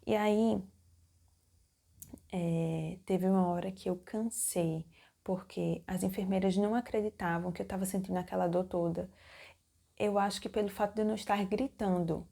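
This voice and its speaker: A young woman vlogger telling the story of her childbirth in a casual, halting, heartfelt way, acting out what she said at the time. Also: mid-range voice, fairly even intonation, creaky, mellow. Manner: halting and heartfelt, acts out her own remembered lines. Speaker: mom vlogger. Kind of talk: personal birth story, casual narration.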